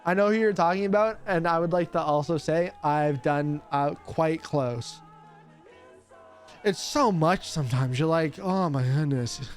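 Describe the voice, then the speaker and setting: A man's voice: a little high, a little slow, soft background music. A young man, a radio host streaming casually while opening cards, teasing his chat and laughing often.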